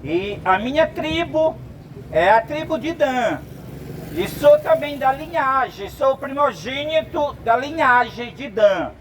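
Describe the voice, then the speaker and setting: A man from Brazil giving an open-air sermon, slow and emphatic, sometimes breaking into shouts. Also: very high-pitched, animated, slight background noise, poor audio. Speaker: street preacher.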